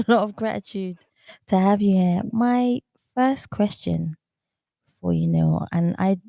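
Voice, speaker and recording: A woman's voice: fairly low pitch, creaky, mellow, dry recording, clean studio sound. A woman hosting a podcast interview, earnest and effusive as she asks her guest questions. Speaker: podcast host.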